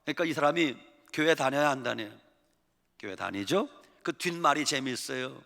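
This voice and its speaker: A male pastor giving a Sunday sermon, telling stories with lively acted-out voices, sometimes booming and sometimes hushed. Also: normal speed, creaky. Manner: animated storytelling, acting out voices of people in the stories; swings from loud exclaiming to hushed murmuring. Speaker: senior pastor. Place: church sanctuary. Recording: reverberant church sanctuary.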